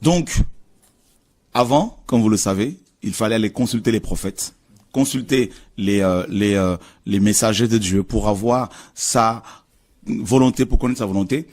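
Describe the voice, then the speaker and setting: A man preaching a sermon as pastor, earnest and halting, with frequent fillers and restarts. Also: lowish voice, darkish tone.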